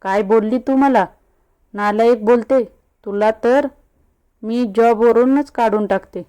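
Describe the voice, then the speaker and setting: A woman's voice: fairly high pitch, a little slow, dark tone, clear, resonant tone, lightly acted. A woman voicing a haughty, tipsy young woman with a sneering, snappish way of talking. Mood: angry. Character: haughty drunk young woman, snobbish and quick-tempered.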